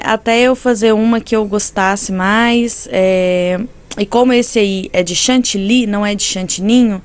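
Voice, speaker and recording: A Brazilian woman with a honking, nasal voice stuffed up by a cold, chattily narrating a casual tutorial and often checking in with viewers. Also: medium pitch. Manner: chatty, addresses viewers with frequent tag questions. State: congested from a cold. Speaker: cake decorating channel host. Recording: clearly noisy home recording.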